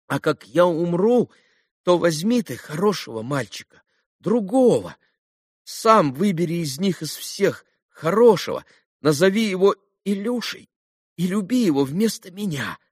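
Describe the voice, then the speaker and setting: A man's voice: on the high side, expressive, measured pace, no room sound, clean studio sound, pitched above the performer's own voice. A man voicing a frail sick young boy who pleads in a trembling, tearful voice, in an audiobook. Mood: pleading. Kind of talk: audiobook character reading.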